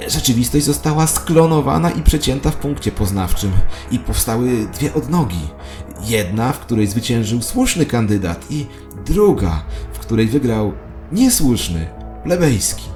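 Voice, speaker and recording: Low-voiced man narrating a confessional audio drama. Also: darkish tone. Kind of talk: scripted first-person audio drama narration. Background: music.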